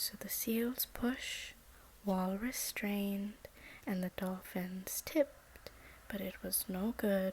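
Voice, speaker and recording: Soft-spoken and gentle in tone, the voice keeps fairly even intonation at a very slow pace. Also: woman, medium pitch for a woman. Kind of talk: read-aloud children's story. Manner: slow, gentle.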